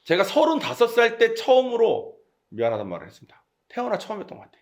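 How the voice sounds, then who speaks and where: A man's voice: very high voice, huge pitch swings, fast. A talkative man with a Gyeongsang accent, preaching a casual, conversational sermon and often checking in with his congregation. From Gyeongsang region, South Korea.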